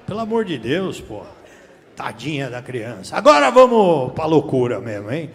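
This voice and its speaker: A man's voice: a little high, very animated, moderate pace. A man from Brazil doing a stand-up comedy set on a theater stage with a handheld mic, teasing the crowd in profane slang. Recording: reverberant theater, faint room noise. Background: audience laughter.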